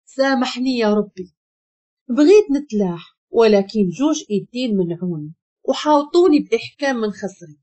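Husky Moroccan woman telling a dramatic story. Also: on the high side, animated, moderate pace, warm tone. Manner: emotional, dramatic. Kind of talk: first-person dramatic story narration.

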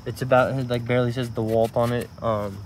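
For a casual product demo vlog, a man reviews pressure washers on a garden walkway by a tree, captured first-person by a body-worn camera. He talks a little fast at medium pitch with little pitch movement, rambling and self-correcting through many fillers, with slight background noise.

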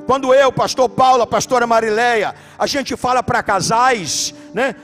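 Brazilian male pastor, very high voice, lively sermon with shouted emphasis, faint music under it. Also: moderate pace. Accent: Brazilian Portuguese. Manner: animated preaching, shouts for emphasis. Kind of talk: sermon with storytelling. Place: church.

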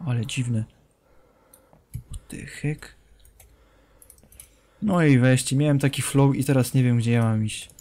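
A man's voice: mid-range voice, fairly even intonation, brisk, hardly any pauses, dark tone. A young man commentating a horror game as a streamer, joking, talking to the game's characters and dropping English phrases. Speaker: gaming streamer.

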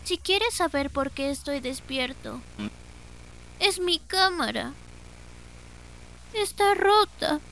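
A woman with a Latin American Spanish accent voicing a timid, sad, hesitant young boy in an animated horror short. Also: high-pitched, takes it slowly, creaky, long pauses, a little hiss or hum, heavily acted, low-quality recording. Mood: wary, sad.

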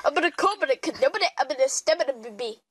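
High, babbling cartoon creature. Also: lively intonation, racing, a bit bright. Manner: nonsense scat-like syllables. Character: babbling cartoon creature nobody can understand.

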